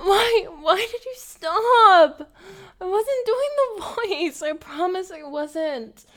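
A bratty young gamer girl with a very high voice, as a woman acts her out. She drawls slowly and lazily, drops gamer slang, and turns breathless in an adult audio roleplay. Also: animated, fairly bright tone, heavily acted. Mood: pleading, hushed.

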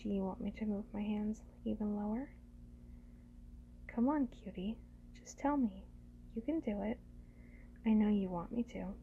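Woman playing tender caretaking lover, breathy whispers, soft mellow tone, coaxing and reassuring, intimate audio roleplay, faint background noise. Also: mid-range voice, moderate pace, long pauses, muffled recording, close to an everyday voice. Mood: coaxing, seductive. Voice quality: breathy, often slipping into whispers. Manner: gentle, coaxing, soothing.

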